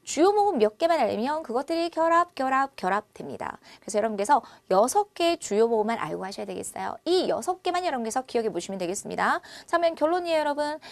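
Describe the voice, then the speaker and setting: A woman teaching Chinese as a language teacher in an online lesson. She talks in a lively way and drills the vowel sounds loudly and slowly. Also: high voice, no room sound.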